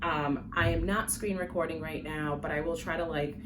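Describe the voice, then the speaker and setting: A woman's voice: deep voice, steady tone, moderate pace, background noise. A woman whose first language is Jamaican Patois, chatting to a phone camera at home in a rambling vlog with many fillers and frequent laughs. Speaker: personal finance vlogger. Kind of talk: casual vlog talk to camera. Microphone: phone camera on tripod.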